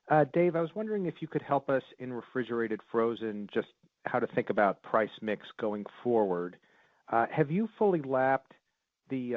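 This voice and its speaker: A low-pitched man puts questions as an analyst on an earnings call. He comes through a narrow, dry telephone line. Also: dry recording. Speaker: financial analyst. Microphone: phone line. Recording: tinny, dry phone line.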